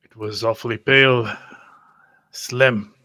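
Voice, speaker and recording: A man playing a tabletop roleplay game, describing his character's actions and speaking in character, halting and terse. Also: mid-range voice, fairly even intonation, crowd noise.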